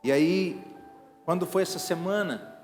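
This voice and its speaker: A middle-aged man, preaching an evangelical sermon in emphatic bursts that swing between hushed and loud. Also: high voice, a little slow. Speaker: pastor. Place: church sanctuary. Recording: reverberant hall with faint music behind.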